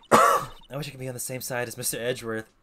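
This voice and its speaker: A man's voice: medium pitch, level tone, fairly quick, pushed and bright. A man voicing an eager teenage girl in a raised, perky voice.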